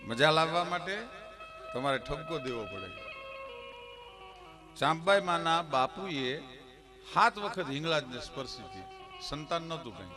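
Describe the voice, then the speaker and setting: A male folk storyteller with a Saurashtra Gujarati accent, performing on a live stage. His delivery is impassioned and climbs toward near-shouted peaks. Clear musical accompaniment plays under his voice throughout. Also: on the high side, lively intonation, unhurried, pauses often, music in the background.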